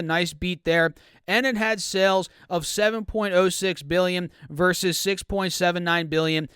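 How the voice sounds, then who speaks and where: Male host, higher pitch, clean crisp voice on a dry close mic, easygoing stock-talk chatter. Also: a bit bright, dry recording. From United States. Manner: chatty, reads earnings numbers with quick asides. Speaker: stock market YouTuber. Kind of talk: casual market commentary.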